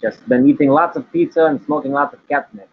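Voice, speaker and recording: A man voicing a laid-back vampire cat count who rambles in deadpan comic banter. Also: a little high, brisk, phone-quality sound, over a noisy crowd, lightly acted. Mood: wry. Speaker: comic co-host.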